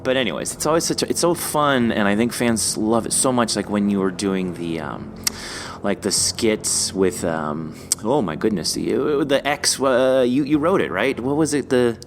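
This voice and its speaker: A man's voice: fairly low pitch, moderate pace, a little hiss or hum. A man hosting a podcast interview in a casual, joking, enthusiastic way, with some easy swearing. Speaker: podcast host interviewing a guest.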